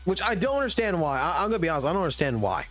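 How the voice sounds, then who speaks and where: A man's voice: on the high side, big pitch swings, racing, a bit bright, faint music behind. A man in his thirties ranting profanely and emphatically on a casual gaming livestream, talking into a desk mic at a home streaming setup. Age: 30s.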